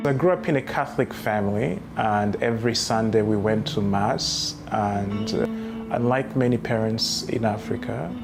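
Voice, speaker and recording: A man in his thirties from Rwanda, recounting his life story in a reflective, unhurried way with many fillers. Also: fairly low pitch, vocal fry. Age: 30s. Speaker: memoir writer telling his life story. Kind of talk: personal testimony. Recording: music playing underneath.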